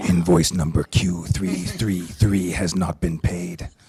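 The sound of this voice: A man uses a put-on character voice that is gravelly and very deep, with a menacing, deadpan tone. He speaks at a fairly slow pace with monotone, flat intonation.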